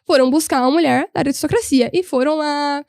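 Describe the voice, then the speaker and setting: A young woman, a podcast guest telling history stories in an animated, humorous way. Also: high voice, a little fast, vocal fry, no echo, clean studio sound. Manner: animated, humorous, voices quoted people. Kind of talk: casual storytelling chat.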